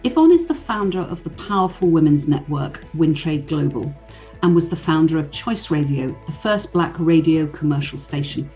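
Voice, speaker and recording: A woman hosts a podcast in a warm, encouraging way, her voice sitting fairly low. She reads a polished intro, then slips into relaxed chat with plenty of ums. Soft music runs faintly behind her. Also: normal speed. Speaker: podcast host. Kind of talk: scripted intro, then casual interview.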